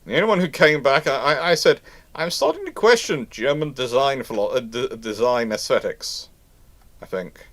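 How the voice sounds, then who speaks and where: A man hosting a live history question-and-answer stream in casual chat, talking in a halting, rambling way with repeated words. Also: mid-range voice, big pitch swings, fairly bright tone. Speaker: host of a live naval history Q&A.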